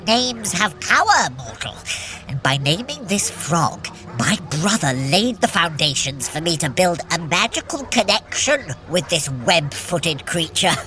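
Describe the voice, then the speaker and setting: A woman's voice: lowish voice, big pitch swings, measured pace, bright, forceful tone, full character voice, low-quality recording. A woman playing a scheming trickster god in an audio drama, grandiose and self-satisfied, talking straight to the listener. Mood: smug, grandiose.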